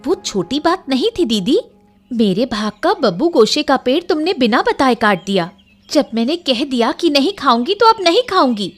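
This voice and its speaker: A woman voicing a proud, stubborn younger daughter-in-law in a cartoon story, sharp and defiant. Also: high-pitched, sing-song, normal speed.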